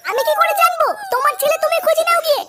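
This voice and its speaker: A woman's voice: extremely high pitch, racing, heavy background noise. A woman voicing a nagging but protective village housewife in a comic cartoon dub, scolding and exclamatory.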